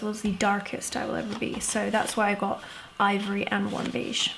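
With light background noise, a woman in an American accent speaks at a fairly quick pace. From England. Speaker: beauty vlogger. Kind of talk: casual talk to camera. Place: home room.

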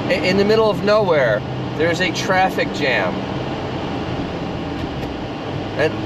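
Loud background noise behind a man's voice, dry and without echo. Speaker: channel host. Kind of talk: casual vlog chat. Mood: dry sarcastic amusement. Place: car.

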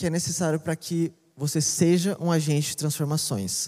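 Over a quiet background, a man talks in a high pitch with a dark, mellow tone. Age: 20s. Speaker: youth church worker, preacher; preacher. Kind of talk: sermon. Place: church. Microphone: handheld.

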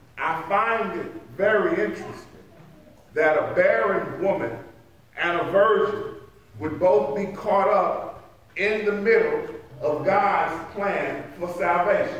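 A man speaks at a fairly slow pace with long, frequent pauses, and the room echo is strong. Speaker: preacher. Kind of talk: sermon. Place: church.

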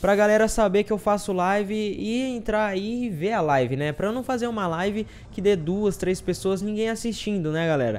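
A man speaks in a high voice at a moderate pace, with ordinary pitch variation and hardly any pauses. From Brazil. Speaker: gaming youtuber. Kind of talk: casual chat. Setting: home recording with facecam. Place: home room. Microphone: headset.

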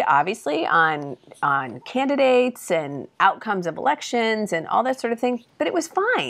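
A woman speaks at a moderate pace with hardly any pauses. Her pitch swings very widely. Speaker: talk show host. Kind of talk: interview. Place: home room. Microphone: video call.

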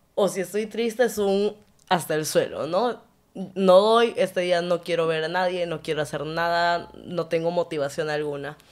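With ordinary pitch variation and a moderate pace, this woman talks in a fairly low register. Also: very clean recording, silent background. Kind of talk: personal testimony interview. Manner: trained intonation, expressive.

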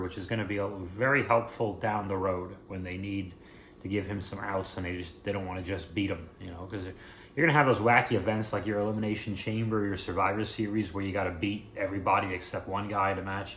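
A man talks at a very fast pace in a fairly low voice. There is audible room echo and light background noise. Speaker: wrestling commentator vlogger. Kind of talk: casual commentary review. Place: home room. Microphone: phone near.

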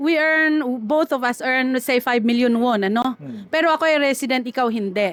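A woman talks at a moderate pace in a high pitch with ordinary variation. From Philippines. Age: 40s. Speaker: Filipino community leader in Korea. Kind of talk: interview.

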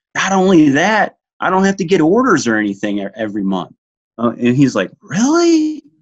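In a quiet background, a man with an American accent speaks at a moderate pace. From Detroit, Michigan. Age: 40s. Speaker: Medicare insurance advisor; podcast guest. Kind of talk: casual chat. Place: home room. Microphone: webcam.

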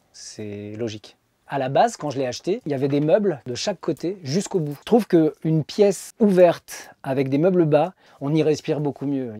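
A man speaks with a fairly high pitch and a dark, mellow tone, his loudness swinging widely. The recording is very clean with a silent background. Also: moderate pace. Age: 40s. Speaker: photographer living in a van. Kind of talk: casual interview and van tour. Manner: hesitant with repetitions.

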